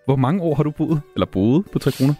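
Man hosting with quick, playful questions. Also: a little high, expressive, dark tone, faint music behind. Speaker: podcast host. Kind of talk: casual chat.

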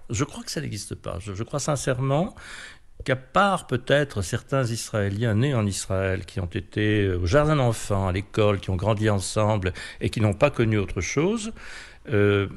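A man's voice: fairly low pitch, animated, moderate pace, creaky. A man with a French accent, a guest giving thoughtful, hesitant answers in an interview. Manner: hesitant, thoughtful, many fillers and restarts. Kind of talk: reflective conversational interview.

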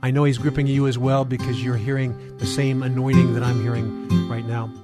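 A man's voice: medium pitch, little pitch movement, fairly quick. Earnest male Christian radio host over guitar. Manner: earnest, devout, direct address to listeners. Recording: loud live guitar music behind. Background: guitar music.

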